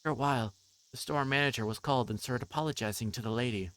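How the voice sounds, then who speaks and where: A man's voice: medium pitch, quick pace, a bit bright, slight background noise. A man reading game text aloud and commenting casually as he streams a visual novel. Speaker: livestreamer playing a visual novel.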